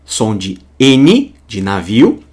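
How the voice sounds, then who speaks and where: A man with a Brazilian Portuguese accent gives a recorded lesson. His pitch swings widely as he stresses key points, and he slows right down to spell out sounds and examples. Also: wildly swooping pitch, a little mellow. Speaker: teacher.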